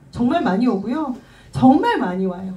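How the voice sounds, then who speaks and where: Pitch swings very widely at a fairly quick pace, with noticeable background noise and audible room echo. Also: woman. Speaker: trading instructor. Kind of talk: lecture. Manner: fast.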